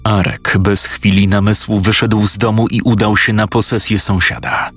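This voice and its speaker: Male narrator for a horror audio story: husky, low, slow, faint music under. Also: level tone, fairly bright tone. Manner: measured, suspenseful.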